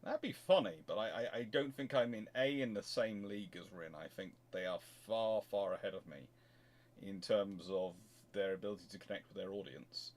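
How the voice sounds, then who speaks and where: A man hosting a casual livestream, chatting in a halting, digressive way with wry, mildly sarcastic asides. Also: lowish voice. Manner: halting, digressive, self-interrupting. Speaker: livestream host answering chat. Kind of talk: casual rambling livestream chat.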